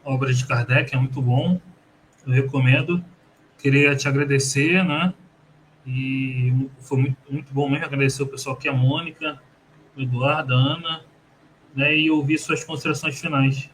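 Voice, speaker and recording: A man hosting a live-stream interview in a relaxed, courteous way. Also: mid-range voice, moderate pace, slight background noise, poor audio. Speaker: host.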